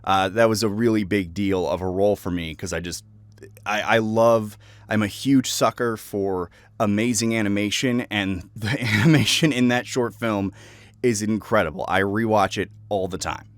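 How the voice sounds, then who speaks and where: Low-voiced young man, dry close sound. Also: normal speed, dry recording. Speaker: voice actor. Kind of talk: casual reflective commentary on own roles.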